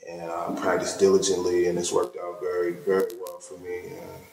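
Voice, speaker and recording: A man in his thirties telling a documentary interviewer how he came to yoga, in a steady and measured way. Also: low voice, creaky, slight background noise. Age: 30s. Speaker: interviewee, former pro basketball player. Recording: echoey hall from a distance.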